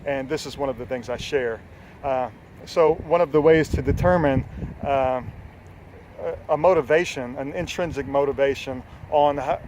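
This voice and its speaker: A man's voice: medium pitch, a little mellow, a little hiss or hum, rough recording. A man in his forties, a health coach, giving an earnest, rambling motivational talk with many fillers and casual swearing. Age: 40s. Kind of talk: unscripted motivational talk to camera.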